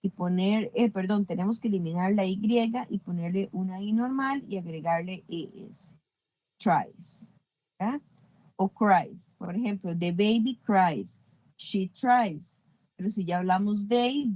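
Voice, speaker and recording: A woman's voice: mid-range voice, unhurried, mellow, no echo, dull audio. A woman teaching an English grammar class online, explaining patiently and often checking understanding.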